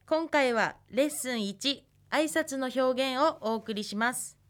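A woman in her twenties from Hokkaido, teaching a radio language lesson, with patient, careful explanations and slow model pronunciations. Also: sits high, loud music behind the voice. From Hokkaido, Japan. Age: 20s. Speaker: language lecturer.

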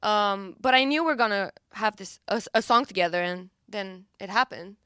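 A woman's voice: mid-range voice, moderate pace, bright, forceful tone, smooth, no echo, studio quality. A young woman singer-songwriter whose first language is Romanian, chatting casually in an interview, bubbly and full of fillers. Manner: bubbly, filler-heavy, laughs easily.

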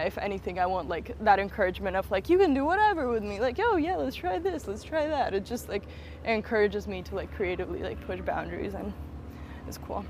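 A young woman from Spain, a photographer and director, talking in a casual walking interview with lots of "like" fillers and restarts. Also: mid-range voice. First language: Russian. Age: young adult. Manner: chatty, many "like" fillers and restarts. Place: outdoors on a college campus near traffic. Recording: outdoor street noise behind the voice.

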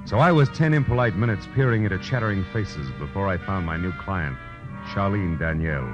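A man's voice: sits low, a little fast, natural voice. A man with an American accent playing a world-weary, terse, slangy private detective in 1940s radio noir style. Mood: wry, reflective. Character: hard-boiled male private detective narrating his case. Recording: dull vintage radio recording with music.

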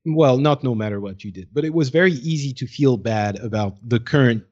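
A man co-hosting a podcast, talking casually and haltingly as he reasons things out, repeating words. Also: mid-range voice, a little mellow, lo-fi sound. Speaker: podcast co-host. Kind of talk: casual discussion.

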